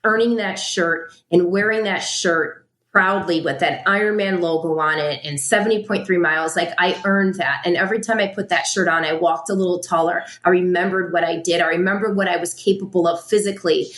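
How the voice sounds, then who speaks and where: A woman's voice: on the low side, steady tone, fairly quick, hardly any pauses, a bit bright. A middle-aged woman, the guest and founder of an apparel brand, speaking earnestly and motivationally in a casual interview, with frequent fillers. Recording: roomy echo.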